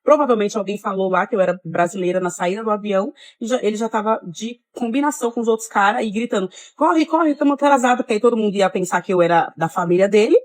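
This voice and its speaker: A Brazilian woman with a Brazilian Portuguese accent, telling her own story and acting out the shouts and voices in it. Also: medium pitch, fast talker, few pauses, no echo. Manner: excited, acts out shouts and quotes. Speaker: witness recounting her own experience. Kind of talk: animated personal storytelling.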